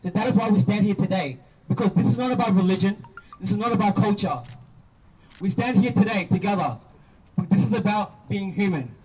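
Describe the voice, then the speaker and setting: Male rally speaker, earnest and emphatic, higher voice, distant outdoor recording. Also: brisk, warm tone. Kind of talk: public speech.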